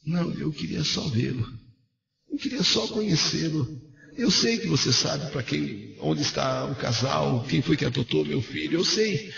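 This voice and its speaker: A man's voice: fairly high pitch, lively intonation, unhurried, vocal fry, fairly bright tone, full character voice. Man voicing a tearful pleading young mother. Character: young grieving mother begging for her child. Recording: roomy, muffled radio recording.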